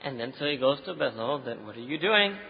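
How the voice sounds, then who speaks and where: A man with a South Asian accent preaching to a live audience as an animated storyteller, often checking in with listeners. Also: mid-range voice, brisk, vocal fry. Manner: animated storyteller, switching languages, with rhetorical check-ins. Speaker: Muslim preacher. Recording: echoey hall, dull muffled sound.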